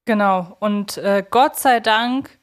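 Mid-pitched woman analysing on a podcast. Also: takes it slowly. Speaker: podcast co-host.

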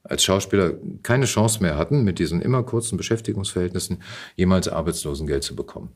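A man's voice: low voice, lively intonation, fast, husky. A middle-aged man talking casually as a guest in an interview, recounting his experiences in a conversational way. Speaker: podcast guest, actor and voice actor.

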